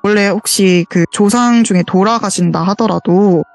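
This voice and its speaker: A woman calls in to tell a ghost story, speaking in an earnest, detailed way. Her voice sits at a medium pitch and comes through a voice call, with soft music playing faintly behind her. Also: moderate pace, no room sound. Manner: earnest, detailed retelling with quoted dialogue. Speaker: caller sharing a true ghost story. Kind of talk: casual spoken storytelling.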